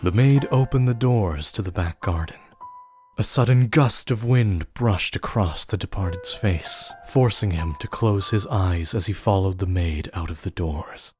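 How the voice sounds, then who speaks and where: A man narrating a gothic audio drama as a somber storyteller, grave, measured and literary. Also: sits low. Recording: loud music behind the voice.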